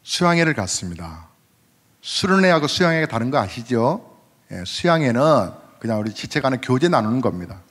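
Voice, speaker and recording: A man in his fifties, a senior pastor, preaching a sermon in a conversational storytelling way, asking the congregation questions and rising in pitch at emotional moments. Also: sing-song, normal speed, a bit bright, breathy edge. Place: church sanctuary. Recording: long hall reverb.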